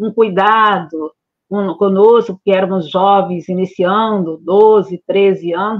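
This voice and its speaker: Speaking very slowly, a woman uses a medium pitch. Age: 60s. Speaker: spiritist volunteer. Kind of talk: interview.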